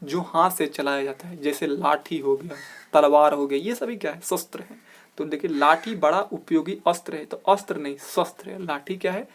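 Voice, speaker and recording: A man's voice: a little high, steady tone. Man explaining grammar with rhetorical questions. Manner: explanatory, repeats "dekhiye", slows down to stress corrected words. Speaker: teacher and channel host. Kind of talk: exam-prep grammar lesson.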